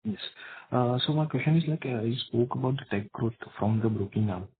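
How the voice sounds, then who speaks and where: A man's voice: mid-range voice, brisk, breathy edge. A man, an individual investor asking questions politely and hesitantly on an earnings call. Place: phone call. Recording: tinny narrow phone line.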